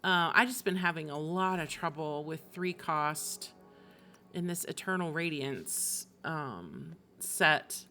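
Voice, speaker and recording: A woman streamer talks informally about her game in a bright, forward voice at a medium pitch. She is chatty and expressive but slow-paced, with faint music underneath. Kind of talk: casual livestream chat about games.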